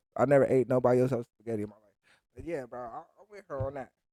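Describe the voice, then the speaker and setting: A man talking very fast in a very clean recording with a silent background, the sound dry and close with no echo. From Phoenix, Arizona, US. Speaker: live-stream host. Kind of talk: casual chat. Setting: at overnight job.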